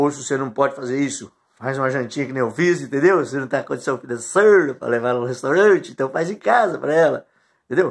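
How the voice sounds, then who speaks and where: A man with an animated tone at a very fast pace against a quiet background. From Brazil. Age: 60s. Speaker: vlogger. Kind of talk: casual monologue. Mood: warm, jovial. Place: home room. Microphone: phone near.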